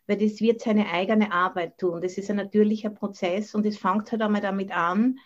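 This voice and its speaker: A woman's voice: mid-range voice, fairly even intonation, moderate pace. Austrian woman giving a casual buddhist talk, mixes in english words, kinda muffled lo-fi zoom sound. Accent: Austrian German. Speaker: Buddhist nun and meditation teacher. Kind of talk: informal dharma talk. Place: online video call from the monastery. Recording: dull, band-limited video call audio.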